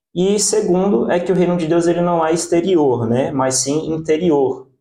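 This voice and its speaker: A man's voice, dark and mellow in tone. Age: 20s. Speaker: Sunday school lesson commentator. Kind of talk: Bible study discussion.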